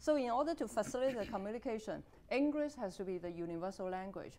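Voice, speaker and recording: In a very clean recording with a silent background, a woman with a dark, mellow tone speaks at a very fast pace, her pitch swinging very widely. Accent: Chinese. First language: Chinese. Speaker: politician, cabinet minister. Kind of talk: interview.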